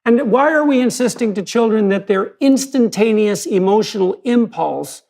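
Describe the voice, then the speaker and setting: A man's voice: sits high, expressive, normal speed, gravelly, darkish tone. A man talking bluntly and emphatically as a guest in a conversational interview, with some mild swearing.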